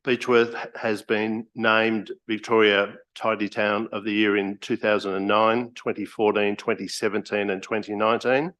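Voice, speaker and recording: A man, a councillor, reading a formal announcement at a council meeting in a measured way. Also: on the low side, a bit bright. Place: council chamber.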